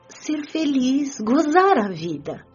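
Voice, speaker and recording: A woman's voice: high voice, big pitch swings, slow, a little mellow, exaggerated voice. An actress with a Brazilian accent playing a tearful, discontented spirit woman who laments and pities herself in an audio drama. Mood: sulky, plaintive. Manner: whiny, lamenting, self-pitying. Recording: dull lo-fi audio, music behind.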